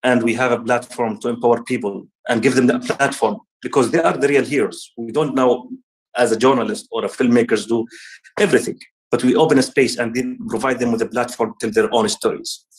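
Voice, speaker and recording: A man in his thirties from Palestine gives earnest remarks on a video call. His voice sits at a middling pitch, and his speech is halting, full of restarts. He gestures as he speaks, from an office. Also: fairly even intonation, low-quality recording. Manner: gestures with hands while talking. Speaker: guest speaker. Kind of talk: online ceremony remarks.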